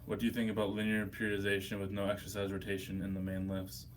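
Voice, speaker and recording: A man's voice: lowish voice, completely flat delivery, quick pace, slight background noise. An American man, hungover, chatting casually and profanely on a livestream as he answers his viewers. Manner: profane, blunt, slangy. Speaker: livestream host.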